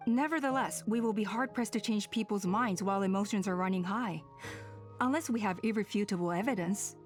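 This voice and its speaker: An actress playing a composed, cautious female tribal elder in a video game, measured and authoritative. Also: medium pitch, faint music behind, close to an everyday voice. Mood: cautioning. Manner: measured, explanatory. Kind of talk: game voice acting.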